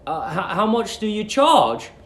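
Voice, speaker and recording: A young English gentleman acted by a man speaks in a high, lively voice, courteous and hesitant, prone to stammer. He is a storybook character, heard in an echoing room. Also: measured pace. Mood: nervously polite.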